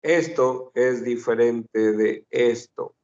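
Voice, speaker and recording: A man's voice: mid-range voice, slow pace, darkish tone, recorded from a distance. A man teaching a French phonetics class, patiently repeating sounds and examples. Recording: dull lo-fi recording.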